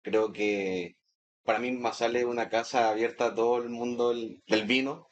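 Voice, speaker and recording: A man's voice: on the low side, muffled recording, a little hiss or hum. A Chilean man in his thirties talking casually as a guest sommelier in an interview. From Chile, grew up in Santiago. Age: 30s.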